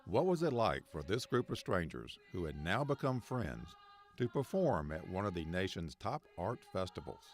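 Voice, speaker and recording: A man's voice: deep voice, sing-song, moderate pace, faint music behind. A man reading scripted narration as the reporter of a feature story.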